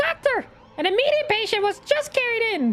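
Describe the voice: A squeaky, put-on character voice that sounds female hits an extremely high pitch at a fairly quick pace. Light background noise is present.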